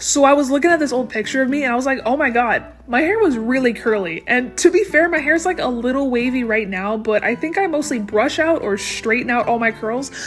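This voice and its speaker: Over noticeable background noise, a woman with a high pitch and lively intonation talks at a fairly quick pace with hardly any pauses. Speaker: tiktok creator. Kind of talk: casual vlog monologue. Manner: loud; animated.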